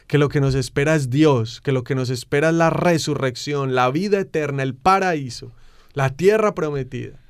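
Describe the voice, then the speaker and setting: A man hosting a Catholic program, preaching with slow, emphatic build-ups and asking "right?" again and again. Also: medium pitch, clean tone. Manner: emphatic, slow build-ups, frequent rhetorical "¿cierto?" tags. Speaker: Catholic radio program host. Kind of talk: preaching explanation of faith.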